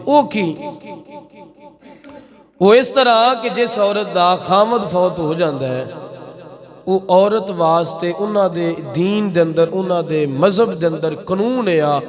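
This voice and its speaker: A man's voice: high-pitched, slow. A man with a Pakistani Punjabi accent preaching a Muslim sermon in an emphatic way, with rhetorical questions and repeated phrases.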